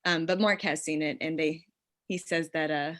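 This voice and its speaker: A woman's voice: deep voice, steady tone, normal speed. A woman screenwriter explaining things casually and informally, as in a conversation with collaborators. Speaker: screenwriter leading a script table read.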